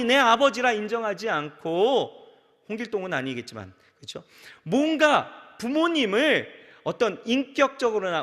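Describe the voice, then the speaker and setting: A pastor preaching a sermon to his congregation, speaking right to them and acting out the voices of the people in his stories. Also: high voice. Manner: animated preaching, acts out quoted voices, addresses congregation directly. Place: large church sanctuary. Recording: reverberant large church sanctuary.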